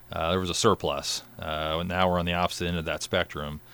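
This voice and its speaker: In an American accent, a man talks very fast in a very deep, low voice, his bright, sharp tone delivered with monotone, flat intonation on a very clean recording with a silent background. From Southern Illinois. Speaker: school superintendent and election candidate. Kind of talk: radio interview. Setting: radio studio.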